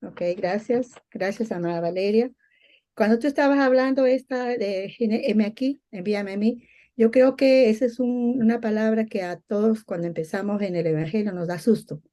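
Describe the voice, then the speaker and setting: A woman's voice: medium pitch, moderate pace, dark tone. A middle-aged woman from Peru giving a personal religious testimony conversationally, often repeating herself as she searches for words.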